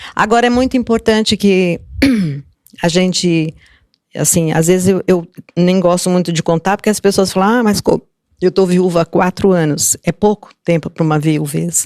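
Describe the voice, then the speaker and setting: A woman with a Brazilian accent speaks at a fairly slow pace in a medium-pitched voice with fairly even intonation, the sound dry and close with no echo. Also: very clean recording, silent background. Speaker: church elder, volunteer. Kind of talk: podcast interview, testimony.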